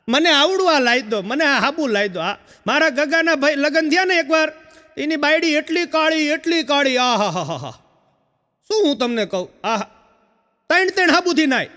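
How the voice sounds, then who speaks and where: High, bright comic man, chatty storytelling, long reverb. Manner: chatty storyteller with frequent "haa" fillers. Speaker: stand-up comedian. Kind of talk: stand-up joke telling.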